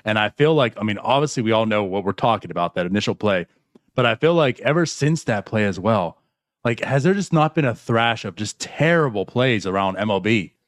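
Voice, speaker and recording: A man's voice: fairly low pitch, animated, brisk, no room sound, clean studio sound. A man in his late thirties hosting a casual sports podcast, rambling through points with lots of "like" and restarts. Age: late 30s. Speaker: podcast host.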